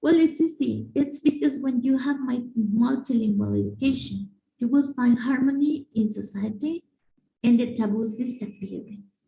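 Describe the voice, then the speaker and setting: Mexican-accented woman teacher, gravelly voice. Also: on the high side, moderate pace. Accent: Mexican Spanish. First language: Spanish. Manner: animated, repetitive, addresses audience directly. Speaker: teacher giving a conference talk. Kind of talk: online conference talk. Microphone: video call. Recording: echoey room, dull lo-fi sound.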